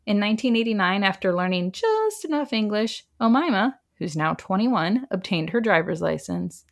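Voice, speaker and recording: A woman's voice: medium pitch, very animated, moderate pace, vocal fry. A woman hosting a podcast, recounting a true crime case in a chatty, wry way with frequent laughs. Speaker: podcast host. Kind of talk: casual true crime storytelling.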